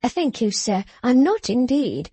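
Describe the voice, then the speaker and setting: Shy humble mum answering softly , woman reader doing her, mellow and dry. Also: a little high, very animated, a little slow, breathy edge, dry recording, exaggerated voice. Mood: meek. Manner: meek, deferential, soft. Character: timid, humble working mother, polite and shy.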